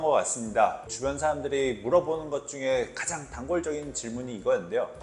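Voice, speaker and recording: A man delivers his words fairly quickly while music plays behind him. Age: 30s. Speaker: former office worker turned business owner. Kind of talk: casual talk to camera.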